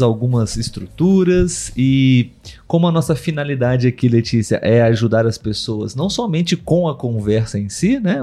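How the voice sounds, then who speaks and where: A man with a Brazilian accent and a soft, mellow tone hosts a casual live show for learners. He talks in a didactic way, often rephrasing a word with a synonym or two as he goes. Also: medium pitch. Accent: Brazilian Portuguese. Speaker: podcast host. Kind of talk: casual live podcast chat for language learners.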